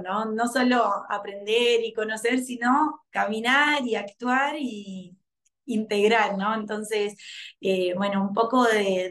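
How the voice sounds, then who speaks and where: A thirties woman talks over a laptop mic on a video call from her home living room. She speaks softly and reflectively, pausing on fillers and restarting her sentences. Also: medium pitch. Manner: soft, hesitant, many fillers and restarts. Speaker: workshop participant, mother.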